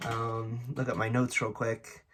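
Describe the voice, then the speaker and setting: A man speaking casually and unscripted as host of a language-learning channel, often halting as he searches for his words. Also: mid-range voice, monotone, fairly bright tone, a little hiss or hum. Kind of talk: casual unscripted introduction to camera.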